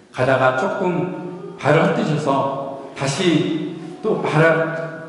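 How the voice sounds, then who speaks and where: A man preaching a sermon as pastor, playful and often laughing as he asks the congregation questions. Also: on the high side. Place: church sanctuary. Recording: echoey hall from far off.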